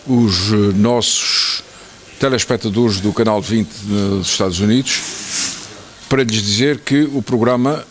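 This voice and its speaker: A man hosting a TV interview show, asking leading questions and summing up what his guest says. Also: medium pitch. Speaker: TV talk-show host.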